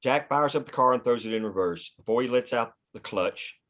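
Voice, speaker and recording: Guy with a middle-pitched voice narrating script action at a table read. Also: fairly quick, fairly bright tone. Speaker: stage-direction reader.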